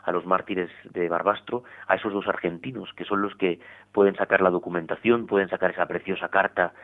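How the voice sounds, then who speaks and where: Heard through a tinny radio line, this priest guest has a deep, steady male voice. He explains things in a measured manner during the religious radio interview, frequently using tag questions.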